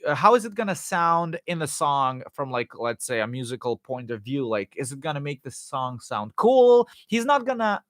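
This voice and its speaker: Guy on a live stream chatting about drumming, kinda high voice, dry close sound, rambly with lots of uhs, voice getting worn out. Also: big pitch swings, moderate pace, few pauses, fairly bright tone, no room sound. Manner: rambling, many fillers and restarts, jokey asides. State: voice going hoarse. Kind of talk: casual live-stream Q&A, reading and answering chat questions.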